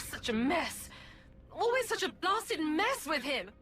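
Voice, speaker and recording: Haughty female Sith lord, video game, high bright voice, disdainful clipped delivery, music behind. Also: big pitch swings, slow, full character voice. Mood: scornful. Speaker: game voice actor.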